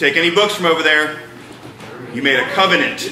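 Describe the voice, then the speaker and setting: A man speaks at a moderate pace. Noticeable background noise is audible throughout. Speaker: pastor giving announcements. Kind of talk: church announcements. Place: church. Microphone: podium.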